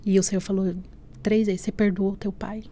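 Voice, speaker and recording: A woman from Brazil shares her faith testimony on a podcast in an earnest, heartfelt conversational voice. She keeps checking in with her listener with little "né?" tags. Her pitch sits in the middle range for a woman. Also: flat delivery, brisk, mellow, a little hiss or hum. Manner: earnest, often adds "né?" and "assim". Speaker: guest telling her testimony. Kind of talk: emotional personal testimony in a podcast interview.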